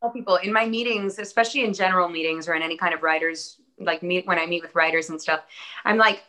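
A woman's voice: fairly low pitch, fast, bright, forceful tone, low-quality recording. A woman in her early thirties, an actress and interview guest, born in the US with Spanish as her first language, talking in a casual, earnest, optimistic way with frequent "um"s. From born in Atlanta, Georgia, US. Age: early 30s. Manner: upbeat, earnest, lots of "um" and "I think".

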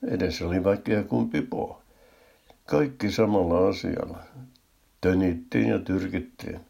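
An older man telling a humorous first-person story in a dry, deadpan way. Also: deep voice, creaky, husky.

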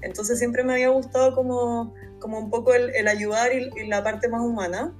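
A woman's voice: a little high, steady tone, brisk, faint music behind. A woman in her twenties with a Chilean accent, talking casually about herself as a guest on a podcast. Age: 20s. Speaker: podcast guest, speech therapist. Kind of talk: casual personal storytelling in an interview.

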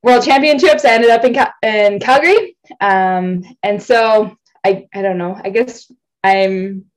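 A woman's voice: mid-range voice, a little slow. A young woman from Ontario, an athlete guest in a casual interview on a video call, chatty and self-deprecating, laughing often and rambling. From Ontario, Canada.

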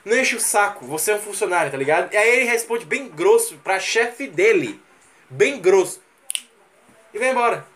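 A man's voice: sits high, lively intonation, moderate pace, a bit bright. A man with a Brazilian Portuguese accent hosting a live stream, ranting casually and profanely, mocking scenes with mimicry and sound effects. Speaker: livestream host. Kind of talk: casual rant.

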